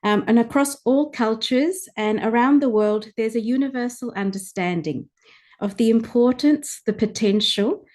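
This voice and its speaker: A woman's voice: fairly high pitch, a little mellow. Earnest woman giving a speech. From Sri Lanka. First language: Tamil. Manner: measured and earnest, with frequent pauses to search for words. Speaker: guest speaker, pediatrician. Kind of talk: formal conference address.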